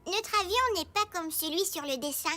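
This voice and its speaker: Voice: very high voice, normal speed, over music. A performer voicing an eager, curious little preschool boy in a children's cartoon, wide-eyed and earnest.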